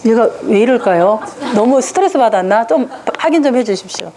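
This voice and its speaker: Woman, parenting lecturer, animated and high-pitched, quizzes her audience, live hall. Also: a little fast. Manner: asks the audience quizzing questions and answers them herself.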